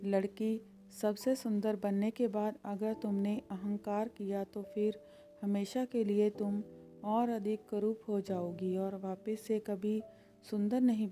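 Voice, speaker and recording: A woman's voice: medium pitch, mellow, natural voice. A woman voicing a grumpy, fussy male ghost in a storybook tale, scolding and squeamish. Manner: scolding, squeamish, sing-song chants. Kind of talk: storybook character voice.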